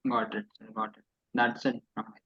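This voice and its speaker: A man's voice: fairly low pitch, completely flat delivery, moderate pace, husky. A man asking questions as an analyst on a conference call. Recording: dull lo-fi call audio.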